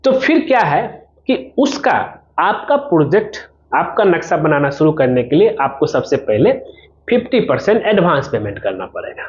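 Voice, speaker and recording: A man's voice: on the high side, very animated, moderate pace, highs cut off. A man giving an informal promotional explainer as a civil engineer, talking the viewer through his service step by step and directly.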